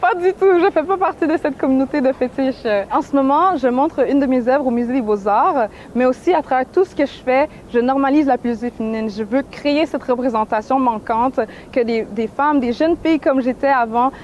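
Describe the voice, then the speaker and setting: Bright-voiced Québécois woman, candid. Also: high-pitched, a little fast, few pauses, muffled recording, a little hiss or hum. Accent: Québécois French. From Canada. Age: 20s. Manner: candid, laughs easily. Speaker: interviewee. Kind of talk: casual interview talk.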